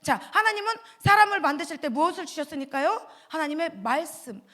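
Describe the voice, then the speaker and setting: A woman giving a lively children's sermon as a pastor's wife, asking the children questions and acting out the voices of the people in her story. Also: sits high, a little fast. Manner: animated, asks the children questions; acts out voices of the devil, children and God. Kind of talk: children's sermon with acted dialogue.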